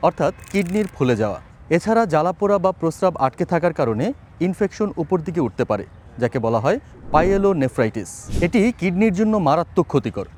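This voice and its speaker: A man's voice: a little high, a little mellow, a little hiss or hum. A man reads a scripted health product promotion as a voice-over artist, enunciating persuasively.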